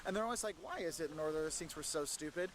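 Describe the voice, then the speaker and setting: High-voiced man explaining emphatically. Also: fast, a little hiss or hum. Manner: emphatic, explaining directly to the viewer. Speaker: video creator. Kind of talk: explanatory vlog talk.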